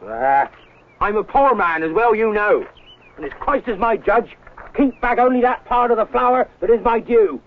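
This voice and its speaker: A man's voice: sits high, lively intonation, moderate pace. An actor playing a boastful medieval English miller who blusters defensively about his honesty in archaic speech, on an old film soundtrack. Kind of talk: educational film historical acting. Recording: tinny, band-limited old 16mm film soundtrack.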